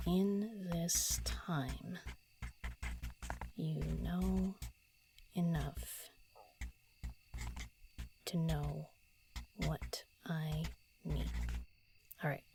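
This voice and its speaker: A woman playing a solitary, pensive writer in an audio drama, murmuring halting lines to herself as she composes, often half-whispering. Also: deep voice, steady tone, mellow, full character voice. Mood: pondering, self-critical. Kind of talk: intimate audio drama monologue, thinking aloud.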